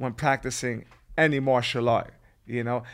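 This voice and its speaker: With a New York accent, a man speaks at a moderate pace in a very clean recording with a silent background. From New York City, Lower East Side. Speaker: boxing trainer and stand-up comic. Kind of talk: interview.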